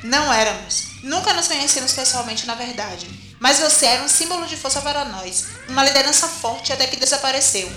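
A woman's voice: sits high, expressive, a little fast, hardly any pauses. A woman playing a brave young rebel soldier in an audio drama, earnest, urgent and pleading. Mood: pleading, defiant. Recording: echoey, faint music behind.

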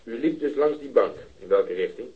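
An actor playing a dry, sarcastic male police detective with a husky voice in a radio drama. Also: medium pitch, expressive, moderate pace, phone-quality sound. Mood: questioning. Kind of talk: 1970s radio drama acting.

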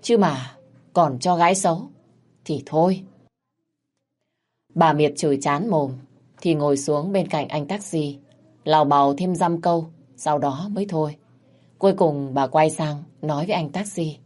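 A woman's voice: deep voice, unhurried, long pauses, a little mellow. A woman narrating a story in a vivid, colloquial, mocking style.

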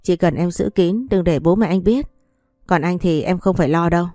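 A woman voicing a calm, cool-mannered young husband in a spoken story, speaking in a level, patient, coaxing way. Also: on the low side, normal speed, no echo, studio quality, soft background music, lightly acted. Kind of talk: audiobook character reading.

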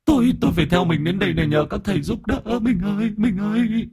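A man's voice: high-pitched, brisk, vocal fry, a little mellow, slightly rough, pitched above the performer's own voice, full character voice. A man voicing the ghost of a dead husband that moans through a possessed man. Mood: moaning. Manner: moaning, pleading.

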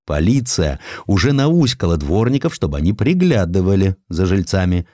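A man with a low voice narrates historical prose in a scripted, dramatized style. His pitch moves in wide, animated arcs as he tells the story expressively. The sound is dry, with no room around it. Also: normal speed, no room sound. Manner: expressive storytelling, acting out quoted lines. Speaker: audiobook narrator.

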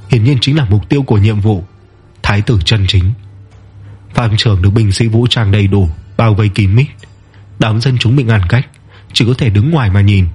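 A man narrating a fantasy story in a steady, measured way. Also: on the low side, slightly rough.

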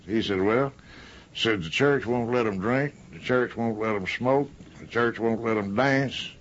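An older American man reminisces at a slow pace, folksy and plain-spoken. The interview tape is dull, with faint noise around his voice. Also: mid-range voice. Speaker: interviewee recalling an old comrade.

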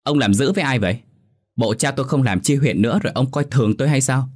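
A man voicing a sharp-tongued middle-aged village wife who scolds her husband with indignant scorn, in a spoken ghost story. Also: lowish voice, big pitch swings, brisk, husky. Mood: defiant.

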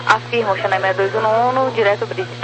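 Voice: medium pitch, fairly even intonation, quick pace. An air traffic controller giving procedural instructions over a two-way aviation radio. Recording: noisy radio with mains hum.

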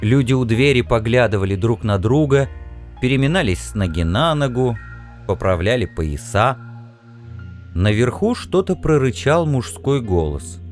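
A man narrating a story in an expressive audiobook reading. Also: medium pitch, normal speed, soft background music.

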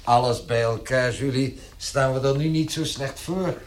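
An actor playing a middle-aged father in a radio play, measured and authoritative. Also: mid-range voice, a little hiss or hum, lightly acted. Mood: contented. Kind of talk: 1960s radio play acting.

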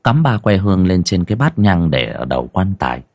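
A man narrating a ghost story in a dramatic, expressive storytelling manner. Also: sits low, a little fast.

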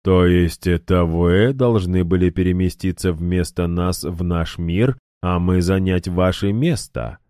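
A man's voice: sits low, mellow, clear, resonant tone, no room sound, studio quality. A man voicing a hot-tempered young fighter who taunts and snaps at his foe in a raised voice. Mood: suspicious. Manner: sarcastic, taunting, quick to anger.

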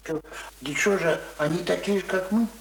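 Querulous high-pitched old peasant man. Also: normal speed, gravelly. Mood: mocking, skeptical. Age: older. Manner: querulous, sarcastic, rustic colloquial speech. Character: grumbling, mocking, stubborn old village peasant man. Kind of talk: radio play acting of rural folk dialogue. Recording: roomy, echoing radio drama recording.

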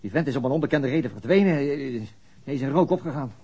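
A weary, dogged police detective in a radio play. His voice is husky and his speech is quick, broken by small hesitations. His pitch sits in the middle. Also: lively intonation, warm tone, highs cut off. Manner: hesitant, with frequent stops. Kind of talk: radio drama acting.

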